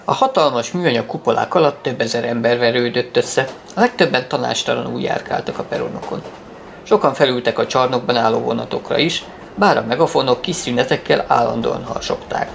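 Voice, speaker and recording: A man narrating a story in a calm, measured audiobook reading. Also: medium pitch, gravelly, a little hiss or hum.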